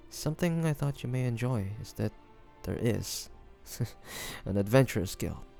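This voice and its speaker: Male actor as tender young fantasy best friend: slow, hesitant, creaky low voice, music underneath. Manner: soft, hesitant, sighing speech. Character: devoted, tender young man, best friend of a dragon shifter. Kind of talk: intimate fantasy audio roleplay.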